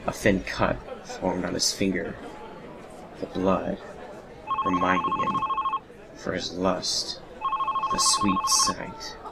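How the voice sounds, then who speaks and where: A man narrating a horror story in a solemn, measured, dramatic scripted style. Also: low voice, monotone, creaky, over a noisy crowd, poor audio. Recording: home recording with background noise and ambience.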